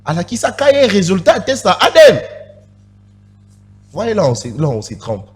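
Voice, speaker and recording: A man's voice: high voice, wildly swooping pitch, normal speed. A man in a heated TV studio debate, pressing his point and repeatedly asking for the floor. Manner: insistent, repeats pleas for the floor, mixes French and Lingala. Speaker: panelist.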